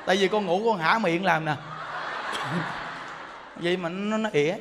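A Buddhist monk teacher delivers a humorous sermon, telling stories and mimicking animal sounds. His voice sits high and moves at a normal speed, with background noise and a long hall reverb in the recording.

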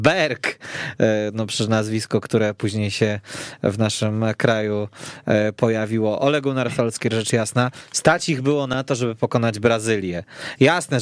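A man's voice: on the low side, no echo. A man hosting a semi-formal sports podcast, with wordy, ornate phrasing in broken-up clauses. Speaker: podcast host. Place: radio studio.

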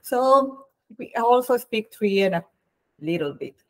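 A woman's voice: on the high side, lively intonation, measured pace, poor audio. A woman in her thirties with a Colombian accent, hosting a casual interview over a video call, chatty with frequent restarts. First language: Spanish. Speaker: host. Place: home room.

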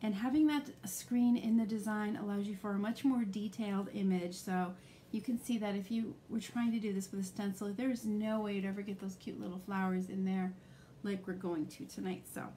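A woman's voice: medium pitch, fairly even intonation, moderate pace, mellow, slight background noise. A middle-aged woman demonstrating a craft live, explaining each step in a chatty way with frequent ums.

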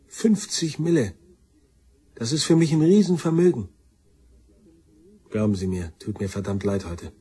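A shiftless black-sheep brother in a crime audio drama. His medium-pitched voice is rough around the edges. He talks in loose slang and puts himself down as he confesses to police. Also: dark tone. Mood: remorseful. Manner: colloquial, slangy, self-deprecating. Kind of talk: German crime radio drama acting.

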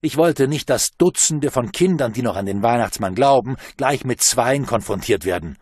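A man's voice: mid-range voice, animated, normal speed, darkish tone, husky, no room sound, clean studio sound. Man reading a firm village policeman. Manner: firm, placating. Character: village policeman dressed as Santa.

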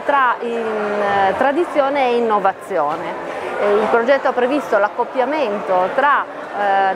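A middle-aged woman, a training officer, explaining a project at a food fair stand, measured and hesitant with many fillers. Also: on the high side. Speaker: training officer for a farmers' association. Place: busy exhibition hall stand with a crowd. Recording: crowd chatter and hall noise behind.

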